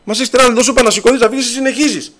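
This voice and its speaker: A man acting out an angry patient's relative who shouts high-pitched to chase visitors out. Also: steady tone, natural voice. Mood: exasperated.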